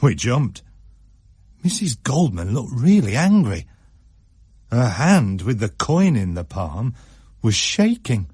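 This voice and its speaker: A man narrating a radio story in an expressive, varied way. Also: mid-range voice, slow pace, long pauses, slightly rough, dry recording, clean studio sound. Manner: expressive, shifts pace for effect.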